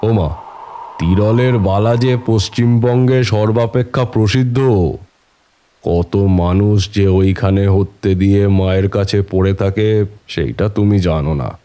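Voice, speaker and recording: An actor playing a seasoned, middle-aged tantric holy man who reminisces in an unhurried, reflective way in an audio story. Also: fairly low pitch, warm tone, natural voice. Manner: unhurried, reflective raconteur addressing listeners. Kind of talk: scripted audio-story narration in character.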